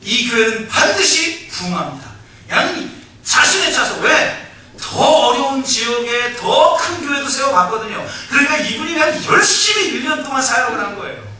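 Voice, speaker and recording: A male pastor preaching a sermon emphatically, swinging between shouts and hushed asides. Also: very high voice, lively intonation, moderate pace. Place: church sanctuary. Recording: echoey hall, distant mic, faint noise.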